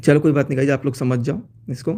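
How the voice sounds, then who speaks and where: A man's voice: medium pitch, fairly even intonation, fast talker, vocal fry, dark tone. A man talking on a phone live stream, laying out his side in an aggrieved, accusing way as he reads out chat messages. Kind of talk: casual live-stream talk, reading out chats.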